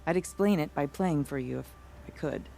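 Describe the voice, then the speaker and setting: A woman's voice: low voice, normal speed, gravelly, dark tone, faint music behind. A woman acting a solemn, wistful tribal drummer in a video game, speaking in lyrical, resigned phrases. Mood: mournful.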